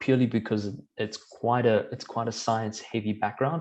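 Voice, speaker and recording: A man with a South African accent speaks at a medium pitch in a flat, monotone delivery. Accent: sounds English-speaking South African. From South Africa, Pretoria area. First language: Afrikaans. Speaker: occupational hygienist, immigrant. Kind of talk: interview.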